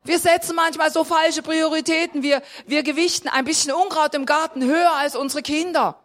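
A woman's voice: high-pitched, steady tone, brisk, a bit bright. A woman preaching a sermon in a conversational way, asking her listeners questions directly and rising to emphatic points.

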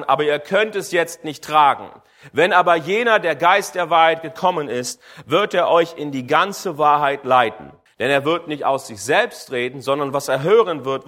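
A man's voice: a little high, a bit bright. A man preaching a sermon, addressing the congregation directly and calling for amens.

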